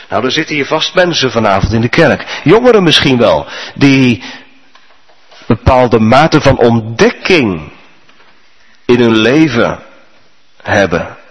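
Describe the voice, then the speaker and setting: A man's voice: medium pitch, husky. A male preacher delivering a storytelling sermon to his congregation in a church. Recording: reverberant church hall.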